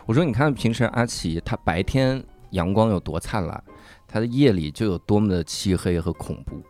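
A man hosting a podcast who trades quick quips and thoughtful remarks in casual conversation. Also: lowish voice, lively intonation, a little mellow, faint music behind. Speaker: podcast host.

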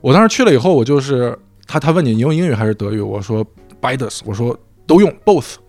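A man's voice: mid-range voice, fast, no echo, faint music behind. A man from Xinjiang, China, a podcast guest telling a story in casual chat and acting out quoted dialogue. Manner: animated, acts out quoted dialogue.

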